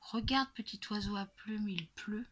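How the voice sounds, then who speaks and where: A woman voicing a gentle, patient father in a soft, coaxing tone. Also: medium pitch, unhurried.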